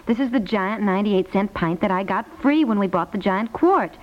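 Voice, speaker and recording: A woman's voice: mid-range voice, expressive, moderate pace, close to an everyday voice. A woman playing a cheerful, eager, bargain-loving American wife and mother in a 1950s radio domestic comedy. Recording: muffled 1950s radio recording.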